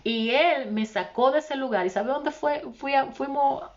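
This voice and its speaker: A woman's voice: high voice, unhurried, muffled recording. A woman preacher giving an impassioned testimony and addressing her listeners as brothers. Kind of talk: testimony sermon.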